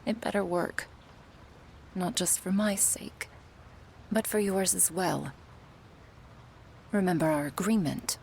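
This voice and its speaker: A woman's voice: on the low side, slow pace, long pauses, slight background noise. A woman doing a bitter cursed tulip girl. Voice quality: soft breathy whisper. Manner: sardonic, scornful. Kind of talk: whispered ASMR roleplay.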